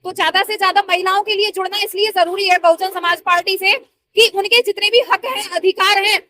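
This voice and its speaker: Thirtysomething woman, real high bright voice, earnest and persuasive, answering an interviewer. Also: fairly even intonation, brisk. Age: 30s. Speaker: party worker interviewee.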